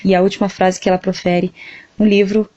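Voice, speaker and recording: A woman's voice: medium pitch, little pitch movement, fairly quick, mellow. A woman with a Brazilian accent giving a prepared explanation as a literature teacher and interview guest. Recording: dull, lo-fi band-limited sound.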